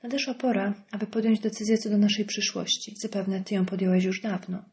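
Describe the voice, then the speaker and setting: Curt annoyed husband from an audiobook, woman doing him, dismissive, soft dark voice. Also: medium pitch, steady tone, brisk, natural voice. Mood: curt, irritated. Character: middle-aged male politician husband, curt and irritable.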